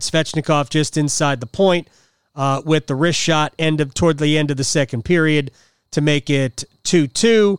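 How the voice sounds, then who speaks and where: Recorded very cleanly with a silent background and a dry, close sound with no echo, a man with fairly high pitch and an ordinary speaking voice keeps ordinary pitch variation and very even loudness. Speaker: hockey podcast host and analyst.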